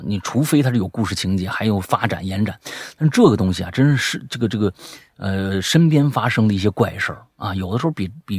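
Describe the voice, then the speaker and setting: A man's voice: lowish voice, breathy edge, no echo, clean studio sound. A man hosting a casual show, chatting, teasing and reading listener stories aloud. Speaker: host.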